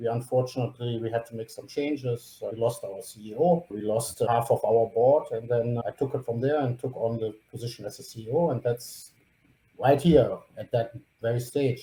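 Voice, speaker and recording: A man with a German accent speaks at a medium pitch and a fairly quick pace, with fairly even intonation. His voice is somewhat breathy with a dark, mellow tone and big swings in loudness. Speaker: tech company CEO. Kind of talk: podcast interview. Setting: remote call. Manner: halting.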